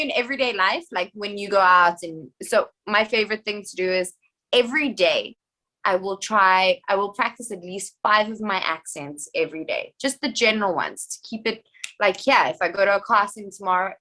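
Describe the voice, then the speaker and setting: A young adult woman from South Africa, an actress talking in a casual podcast chat, chatty and animated with quick asides. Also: medium pitch, poor audio. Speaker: actress guest.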